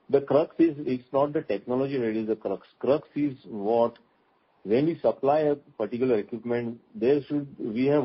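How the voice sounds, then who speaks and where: Husky Indian man on a muffled conference line. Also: medium pitch. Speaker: company executive answering investors. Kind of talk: earnings call question-and-answer.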